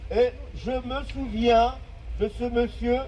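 A man's voice: very high-pitched, flat delivery, mellow, recorded from a distance, poor audio. Impassioned man in his fifties, oratorical. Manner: impassioned, oratorical, with dramatic pauses and repetition. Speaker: care aide giving a testimony. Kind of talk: impassioned public testimony. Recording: voice from off-mic.

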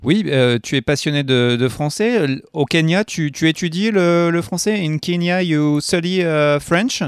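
Male radio host, smooth clear voice, dry studio, hesitant bilingual questioning. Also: a little high, no room sound. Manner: halting, many fillers and restarts. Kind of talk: radio interview, translating for listeners.

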